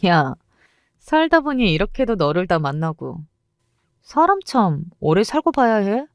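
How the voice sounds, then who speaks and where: A woman's voice: fairly low pitch, very animated, unhurried, darkish tone, no room sound, studio quality. A woman voicing a smug, mocking former school bully who gloats and sneers. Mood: gloating.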